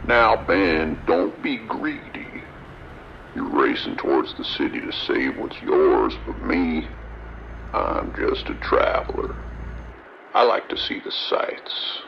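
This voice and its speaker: A sinister trucker in a radio drama, relishing the morbid. His voice is extremely low and gravelly, drawling slowly and menacingly. It comes through a dull, noisy CB radio. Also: very animated, full character voice. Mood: sinister, coaxing. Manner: menacing, taunting, theatrical drawl. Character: sinister, gleeful male trucker with morbid fascination.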